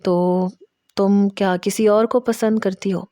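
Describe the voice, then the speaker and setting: A woman narrator voicing a calm, caring young man cousin who talks softly and quietly. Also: medium pitch, no room sound, studio quality, lightly acted. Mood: gentle.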